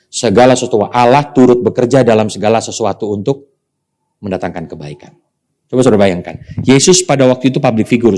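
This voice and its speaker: A male pastor from Indonesia preaching a lively sermon, often turning to address the congregation directly. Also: medium pitch. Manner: animated preaching, calls to the congregation.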